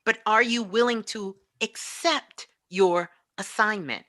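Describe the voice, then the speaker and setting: A woman's voice: medium pitch, takes it slowly, fairly bright tone. A woman giving an impassioned spiritual talk as a guest teacher, emphatic and repetitive like a preacher.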